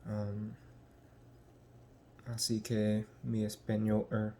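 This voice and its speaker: A young American man from the United States, talking casually in a vlog and haltingly searching for words with many ums. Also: fairly low pitch, completely flat delivery, dark tone, slight background noise. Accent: American English. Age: young adult. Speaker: language learner.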